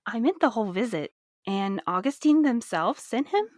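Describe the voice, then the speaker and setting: An actress plays a tired woman courier in an audio drama, polite yet firm. Her voice is fairly high and measured, and the recording is dry. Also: expressive, darkish tone, dry recording, natural voice. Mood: uneasy, tired. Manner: tactful, measured. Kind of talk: scripted audio drama dialogue.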